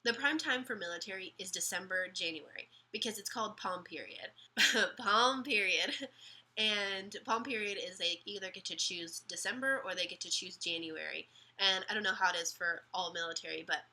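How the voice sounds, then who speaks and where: A young woman vlogging casual advice, sick and slightly raspy, chatty with lots of ums and restarts. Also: mid-range voice, normal speed, sharp tone, low-quality recording.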